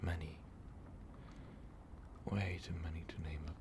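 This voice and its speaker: A man playing an ancient, brooding vampire overlord in an intimate ASMR roleplay, speaking in a weary, halting, breathy whisper. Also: little pitch movement, background noise. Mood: somber, reminiscing. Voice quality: breathy, gravelly low whisper. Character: ancient, brooding male vampire overlord, tormented former rebel.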